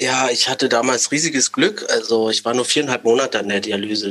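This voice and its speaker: A medium-pitched man at a very fast pace, with noticeable background noise. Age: 30s. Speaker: kidney transplant patient. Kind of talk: interview. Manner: halting.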